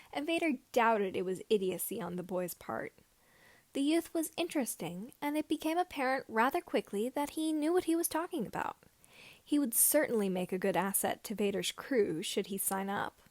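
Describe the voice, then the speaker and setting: A woman narrating scripted fan fiction as an amateur reader, with somewhat halting phrasing. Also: medium pitch, darkish tone, no echo.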